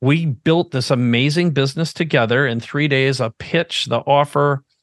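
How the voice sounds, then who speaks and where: Against a quiet background, a man with an American accent speaks at medium pitch. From US Midwest, Minnesota. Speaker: podcast co-host and entrepreneur. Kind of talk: casual conversation.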